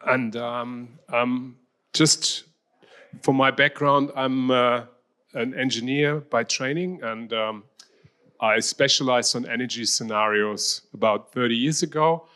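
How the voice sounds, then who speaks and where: A man in his fifties with a German accent, a university researcher presenting a talk with slides, filling pauses with many ums and restarting phrases. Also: medium pitch, fairly even intonation, bright, forceful tone.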